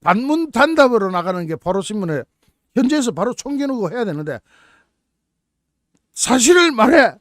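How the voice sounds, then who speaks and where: A man's voice: sits high, sing-song, quick pace, no echo, clean studio sound. A man hosting his own channel, commenting on the news in a mocking, incredulous way. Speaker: political YouTube channel host.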